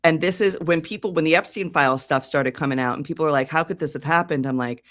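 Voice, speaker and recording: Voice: medium pitch, fast, a bit bright. Passionate political co-host. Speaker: podcast co-host. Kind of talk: casual chat.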